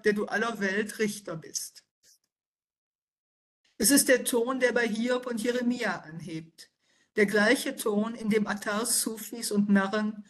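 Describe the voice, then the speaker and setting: Woman seminar leader reading a text out loud, slow and serious, voice on the higher side, video call. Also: low-quality recording. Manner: slow, grave and deliberate reading. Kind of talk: reading an essay aloud.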